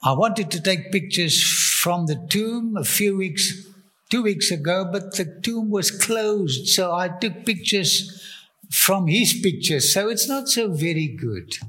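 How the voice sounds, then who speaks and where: A man with English as a second language lectures in short, careful phrases and leaves room for an interpreter. His voice sits high and bright. He moves slowly and sounds full of wonder. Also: lively intonation. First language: not English. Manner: slow, halting English, stops for translation. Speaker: guest speaker on ancient Egypt.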